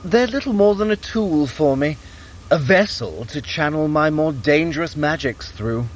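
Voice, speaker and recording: A man's voice: fairly high pitch, expressive, normal speed, slight background noise, close to an everyday voice. An actor playing a sly, sardonic trickster god in an audio drama, glib and wry, talking his way around things. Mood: breezy bluffing. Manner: smooth-talking, wry, hedging.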